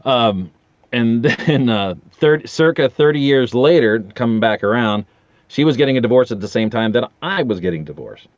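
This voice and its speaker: A man's voice: mid-range voice, expressive, normal speed, no room sound, lo-fi sound. A man in his forties chatting casually as a podcast guest, telling rambling, jokey anecdotes with casual swearing. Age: 40s.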